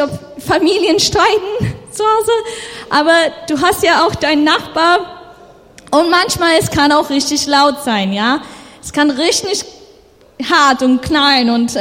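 A woman's voice: high-pitched, fairly bright tone. A woman preaching a sermon, going through the text verse by verse and speaking straight to the listener. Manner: slow, explaining verse by verse and speaking to the listener directly. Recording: long hall reverb.

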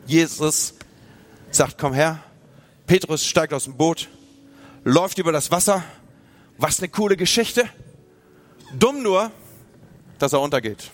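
Lively high-voiced preacher, a man. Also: a little slow, pauses often. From northern Germany. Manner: lively, speaks to the listener directly, acts out inner voices. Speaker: pastor. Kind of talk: sermon.

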